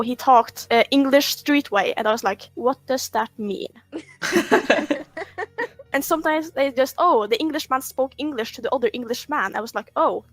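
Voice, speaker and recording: A woman's voice: fairly high pitch, no room sound. A woman guest on a podcast, chatting casually in a rambling, conversational way and telling anecdotes. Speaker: podcast guest, fanfiction writer.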